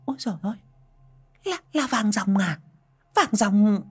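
A man's voice: high-pitched, very animated, unhurried, creaky, dark tone, breathy edge, voice pushed up, heavily acted. A man playing a frightened village wife. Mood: astonished.

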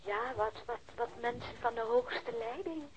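An actress playing a guarded middle-aged policeman's widow in a radio drama, answering haltingly and reticently. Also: fairly high pitch, slight background noise, lightly acted, low-quality recording. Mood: hesitant. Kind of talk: naturalistic radio drama acting.

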